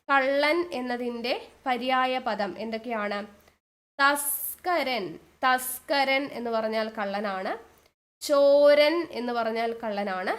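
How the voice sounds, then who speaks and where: A woman with a fairly high voice teaches an online exam coaching lesson. She drags out each key word and says it twice. She keeps asking the class questions and answering them herself.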